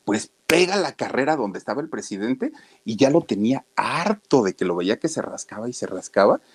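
A man's voice: mid-range voice, big pitch swings, brisk, husky. A man with a Mexican accent telling a story to viewers in a chatty, folksy way, talking straight to his listeners. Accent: Mexican Spanish.

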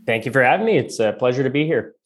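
A man's voice: medium pitch, lively intonation, quick pace. A man from Calgary, Canada, a guest on a podcast, answering in a friendly way with hesitant restarts. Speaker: guest, operations executive. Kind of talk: casual interview answers.

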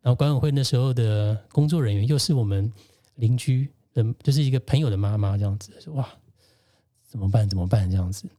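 A man, a podcast guest and co-host gently telling a personal story in casual conversation. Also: medium pitch, fast talker. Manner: reflective, gentle, recounts childhood memories.

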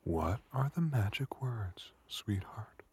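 A man whispering a slow, coaxing intimate audio roleplay in a soft, breathy voice. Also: lowish voice, expressive.

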